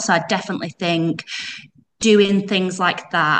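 A woman speaks with a Yorkshire accent. Her pitch sits in the medium range. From West Yorkshire, England. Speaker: brand founder. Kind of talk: casual interview chat. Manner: excited, enthusiastic.

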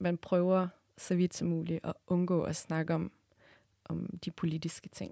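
A woman speaks very slowly in a dark, mellow, fairly low voice with flat, monotone intonation, recorded dry and close with no echo in a very clean take over a silent background. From Turkmenistan, Ashgabat; in Denmark from age 9. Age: 20s. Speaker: student. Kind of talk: interview. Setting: studio.

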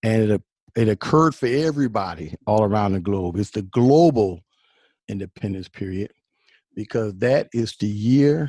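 This man talks at a fairly slow pace in an American accent, his pitch fairly low with ordinary variation. His tone is dark and mellow. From northern US. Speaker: podcast co-host. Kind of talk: casual chat.

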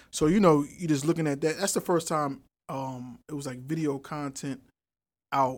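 This is a man with an ordinary speaking voice, fairly high in pitch, with ordinary pitch variation. He talks at a moderate pace on a very clean recording with a silent background. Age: 30s. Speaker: podcast guest, host's longtime friend. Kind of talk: casual chat.

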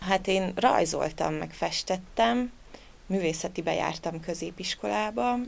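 A woman talks at a very slow pace with fairly low pitch, vocal fry, and very wide pitch swings. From Transylvania, Székely Land (Csík region). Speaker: photographer. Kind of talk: interview.

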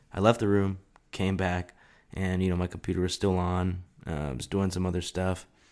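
On a very clean recording with a silent background, a man with a Californian accent talks at a very deep, low pitch with fairly even intonation. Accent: Californian American. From Southern California. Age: young. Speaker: podcast host. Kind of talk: casual monologue. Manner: halting.

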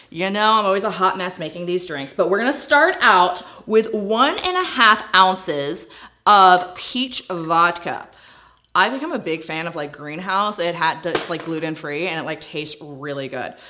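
A woman at a medium pitch, animated in tone, with lively intonation, big swings in loudness and a moderate pace, over noticeable background noise. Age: 40s. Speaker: podcast host, makeup artist. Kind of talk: casual chat.

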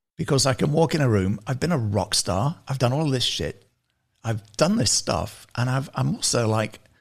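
A somewhat breathy voice with a London accent moves at a moderate pace with lively intonation, on a very clean recording with a silent background. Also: man. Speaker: songwriter and entrepreneur. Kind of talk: interview. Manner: halting.

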